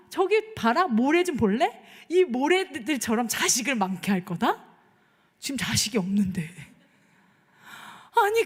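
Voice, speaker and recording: Lively high-voiced woman preaching in a church. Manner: conversational, asks the congregation for agreement, acts out dialogue. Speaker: pastor. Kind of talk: sermon with personal storytelling. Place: church sanctuary. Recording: long church reverb.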